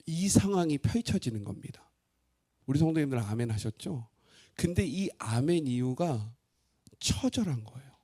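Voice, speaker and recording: A man pastor preaching a sermon expressively, asking his congregation questions and swinging between loud and hushed. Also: mid-range voice, sing-song, moderate pace, slightly rough.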